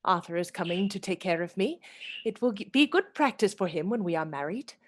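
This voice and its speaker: A woman's voice: on the low side, lively intonation, brisk. A woman playing an ailing, tender young bride-to-be in a live radio play, dreamy and fragile in manner. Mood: tender, earnest.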